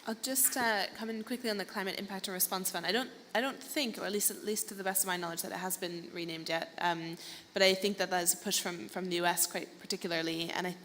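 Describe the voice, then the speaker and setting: A woman chairing a panel discussion, speaking quickly with careful qualifiers. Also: fairly low pitch, steady tone, fairly bright tone. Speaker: moderator. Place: conference hall. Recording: reverberant conference hall with faint noise.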